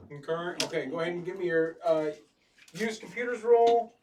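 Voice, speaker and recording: Higher-voiced man running the game. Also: moderate pace, darkish tone. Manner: explains rules, dry teasing. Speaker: game master. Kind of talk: running a tabletop game at a table. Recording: distant mic, faint background noise.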